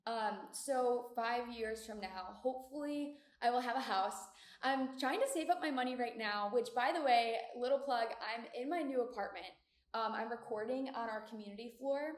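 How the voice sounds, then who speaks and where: A young woman in her twenties chats through a solo podcast episode in a bright, fairly high voice, upbeat and full of filler words. She's recorded in a shared community room in her apartment building, so the sound bounces around with a noticeable echo. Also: normal speed. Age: 20s. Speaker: podcast host. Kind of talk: casual solo podcast chat. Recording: echoey room.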